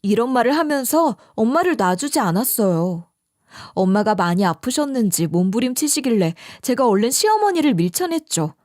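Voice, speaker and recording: A woman's voice: a little high, big pitch swings, normal speed, darkish tone, no room sound, studio quality. A woman narrating a first-person story in a scripted, emotional storytelling style.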